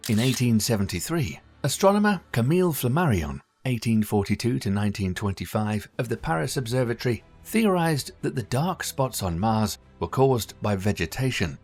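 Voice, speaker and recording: A man reading a scripted documentary narration in a measured, even storytelling manner. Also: medium pitch. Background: faint background music.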